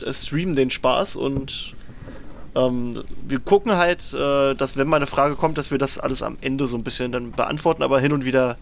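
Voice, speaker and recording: A man hosting a casual group podcast, playful and excitable, with many hesitant fillers. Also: medium pitch, slight background noise. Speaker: podcast host.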